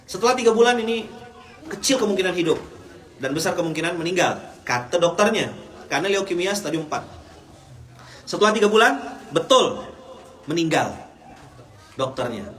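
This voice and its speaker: Indonesian preacher, man, rather high voice, jokey crowd-teasing sermon, echoey hall. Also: big pitch swings, normal speed, long pauses, fairly bright tone. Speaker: Islamic preacher. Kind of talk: humorous sermon to a live audience. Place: hall in Japan.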